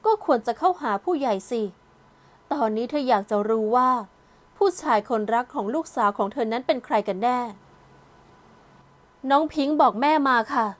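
A woman narrating an audio novel in a calm, gentle storytelling voice. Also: a little high, fairly quick. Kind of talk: scripted narration.

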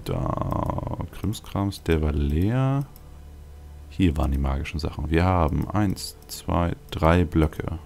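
Very deep, creaky-voiced man commenting on gameplay. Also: a little mellow, a little hiss or hum. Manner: rambling, thinking aloud. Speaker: let's play host. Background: video game music.

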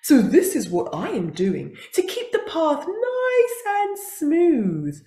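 Woman doing a lumbering, apologetic water buffalo, slow and lively, echoey. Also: lowish voice, pitched below the performer's own voice. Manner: slow and drawn-out. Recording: roomy echo, away from the mic.

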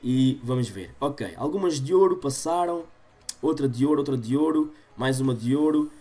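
A man in his twenties with a European Portuguese accent and a slightly stuffy nose, doing excitable gaming commentary for his viewers. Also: mid-range voice, moderate pace. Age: 20s. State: slightly congested from a cold. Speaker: gaming YouTuber. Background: game music.

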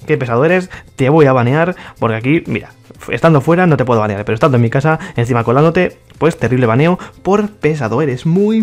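A man giving casual, mock-exasperated commentary on his gameplay and talking to his viewers. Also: mid-range voice. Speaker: gaming YouTuber.

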